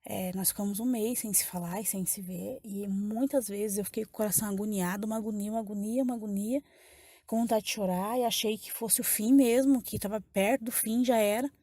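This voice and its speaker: Telling her story to a church congregation, a Brazilian woman shares an emotional personal testimony and repeats phrases along the way. She speaks a little fast in a mellow, medium-pitched voice with fairly even intonation, recorded with no room sound, and her accent is Brazilian Portuguese.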